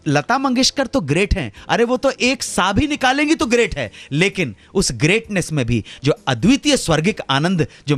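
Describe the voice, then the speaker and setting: A middle-aged man hosting a radio show, telling stories in a dramatic way that swings from hushed asides to loud exclamations. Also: medium pitch, no echo. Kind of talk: storytelling radio narration. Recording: radio broadcast with faint music underneath.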